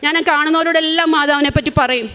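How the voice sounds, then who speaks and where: Woman, Malayali accent, forties, religious testimony, earnest, high bright voice. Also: fairly even intonation, quick pace. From India. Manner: earnest, emotional storytelling. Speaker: testimony speaker.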